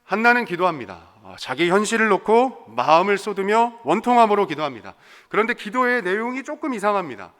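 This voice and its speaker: A man's voice: high-pitched, very animated, fairly quick, fairly bright tone. A young adult man preaching a sermon in a conversational way, full of rhetorical questions. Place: church sanctuary. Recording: long church-hall reverb.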